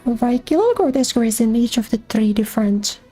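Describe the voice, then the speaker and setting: A woman's voice: a little high, animated, normal speed, dark tone, faint music behind. A young woman streamer chatting casually as she plays, thinking aloud about missions and thanking subscribers. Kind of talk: casual gameplay commentary.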